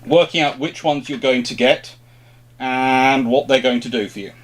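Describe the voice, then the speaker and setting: A man's voice: mid-range voice, moderate pace, slight background noise. A man hosting an informal question-and-answer chat, explaining things off the cuff and often rephrasing mid-thought. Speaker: host of a history question-and-answer show.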